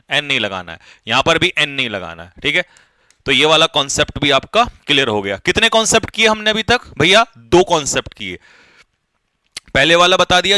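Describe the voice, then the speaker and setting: A man's voice: a little high, bright, forceful tone, no room sound. A man teaching English grammar, urging students to hurry and asking and answering his own questions. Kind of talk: online exam-prep lesson.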